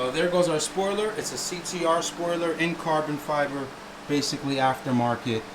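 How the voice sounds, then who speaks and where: There is noticeable background noise behind this man's fairly high voice. He speaks at a moderate pace with ordinary pitch variation. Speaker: car builder vlogger. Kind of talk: casual vlog. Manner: animated; rambling.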